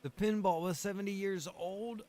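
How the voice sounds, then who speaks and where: A man with a high, warm voice streams a game live, chatting casually with viewers and reacting as he plays. He talks to both the chat and the game characters, keeping a steady tone at a moderate pace.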